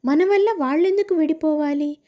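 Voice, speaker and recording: A woman voicing a quarrelsome neighbor housewife who scolds loudly, in a cartoon story. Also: high voice, normal speed, dull audio, close to an everyday voice. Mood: relieved. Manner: scolding, shouting.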